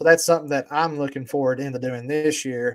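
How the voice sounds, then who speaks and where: Speaking at a moderate pace, a man with a normal speaking voice keeps a fairly high pitch and fairly even intonation. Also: very clean recording, silent background. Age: 30s. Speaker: podcast host for pressure washing business owners. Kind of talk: casual podcast chat.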